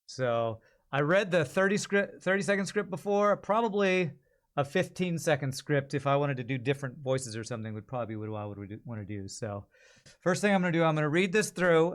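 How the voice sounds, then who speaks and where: Casual man chatting on a livestream. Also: fairly high pitch. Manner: informal, thinking aloud. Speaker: livestream host. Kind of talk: casual chat to stream viewers.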